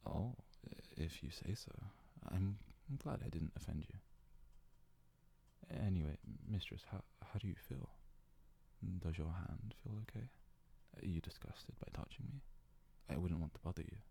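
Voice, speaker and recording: A man performs a meek, obsessive kitsune servant boy in an ASMR roleplay. The voice is very deep and husky, with a heavy gravelly creak. He speaks hesitantly and pleadingly, with submissive devotion. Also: expressive, moderate pace, warm tone, exaggerated voice. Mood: humble, nervous. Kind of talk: ASMR roleplay, intimate scripted monologue.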